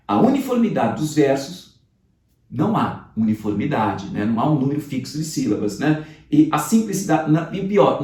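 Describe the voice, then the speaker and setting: A man teaching literature, reviewing exam questions in a lively, conversational way and talking straight to his students. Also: on the high side. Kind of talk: commented exam review lesson. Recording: roomy sound, voice off-mic.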